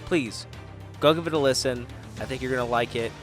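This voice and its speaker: Male podcast host, mid-pitched, informal and joking sign-off style, light music underneath. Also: brisk.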